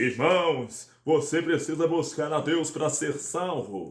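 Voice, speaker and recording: Putting on a character voice, a man booms in a solemn tone at a fairly high pitch and a fairly slow pace. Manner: preaching, solemn.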